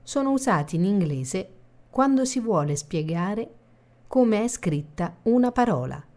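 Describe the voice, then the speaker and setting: A woman reading the translation of each line in a recorded language course, calm and measured. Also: medium pitch. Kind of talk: scripted instructional reading.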